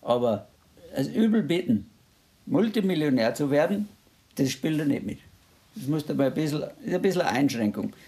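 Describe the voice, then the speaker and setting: A man's voice: on the high side, lively intonation, normal speed, dark tone. A man preaching a sermon in earnest, quoting scripture in a raised voice.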